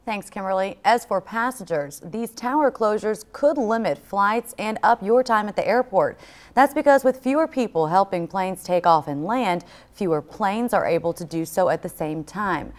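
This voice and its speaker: A woman's voice: mid-range voice, lively intonation, normal speed. A woman with an American accent reading scripted news as a studio anchor.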